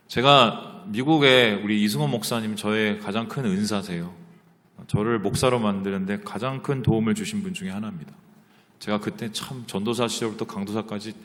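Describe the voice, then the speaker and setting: In a church sanctuary with long reverb, a male pastor with a lowish voice delivers a Sunday sermon. He tells stories animatedly, shifting between hushed passages and loud ones.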